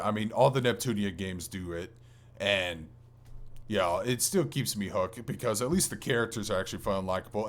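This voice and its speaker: A man talking casually as a podcast host, in a halting way that circles back over his words. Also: lowish voice.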